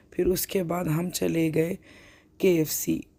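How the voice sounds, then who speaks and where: A woman speaks with a very deep, low pitch and a dark, mellow tone in a monotone, flat intonation. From India, Hyderabad. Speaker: vlogger. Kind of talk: vlog narration.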